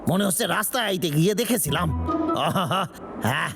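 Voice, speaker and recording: A gravelly, whiny cartoon logger. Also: male voice, high-pitched, expressive, fairly quick. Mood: grumbling. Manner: whining, complaining, gravelly. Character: grumbling hapless male logger, gruff and whiny. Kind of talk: cartoon dub. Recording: studio dub over loud cartoon music.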